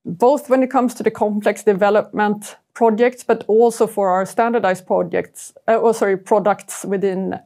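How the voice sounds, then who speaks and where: A woman's voice: medium pitch, vocal fry, a little mellow. A woman giving a corporate earnings presentation as chief executive, searching for words as she goes.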